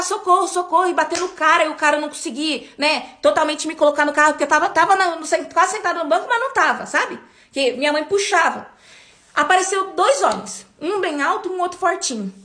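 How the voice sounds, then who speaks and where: A young Brazilian woman in her twenties shares a personal faith testimony in a high voice. She tells it in an animated way, repeating words for emphasis. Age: 20s. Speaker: church member giving testimony.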